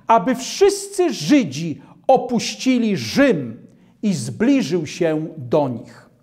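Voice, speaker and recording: An older man preaching a studio sermon at a lectern, reading Bible verses aloud in a measured way. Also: extremely high pitch, darkish tone.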